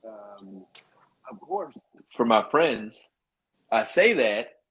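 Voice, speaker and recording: A man with a fairly low voice talks bluntly over a remote call, swearing freely in casual chat. His audio keeps cutting in and out, so the volume lurches between loud and barely there. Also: big pitch swings, extremely slow, rough recording. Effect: remote call audio cutting in and out, uneven volume. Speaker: podcast co-host. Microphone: remote call connection.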